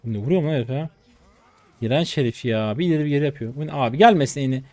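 A man in his twenties streaming his gameplay, chatty and excitable, trash talking in slang and breaking into sudden high-pitched outbursts. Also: fast talker, no echo. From Turkey. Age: 20s. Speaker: game streamer. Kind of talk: live gameplay commentary.

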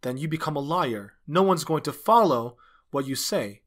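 Male sermon interpreter, slightly high-pitched, halting phrase-by-phrase preaching delivery. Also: lively intonation, fairly bright tone. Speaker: interpreter dubbing a pastor's sermon.

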